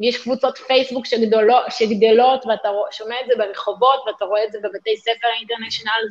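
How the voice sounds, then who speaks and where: Speaking very fast with hardly any pauses, a woman uses a fairly high pitch and monotone, flat intonation over noticeable background noise. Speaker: real estate entrepreneur. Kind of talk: interview.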